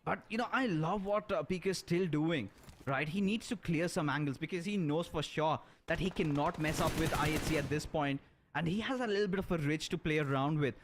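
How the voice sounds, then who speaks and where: A man giving excited play-by-play esports commentary as a caster, with dramatic, emphatic delivery. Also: on the high side, a little fast. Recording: clear background noise, game gunfire. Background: video game gunfire.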